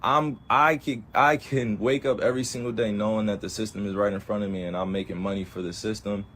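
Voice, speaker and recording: A man's voice: on the low side, fairly even intonation, fairly quick, fairly bright tone, a little hiss or hum. A young man speaking with passion on a livestream, emphatic and full of repeated rhetorical questions. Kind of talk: impassioned livestream talk.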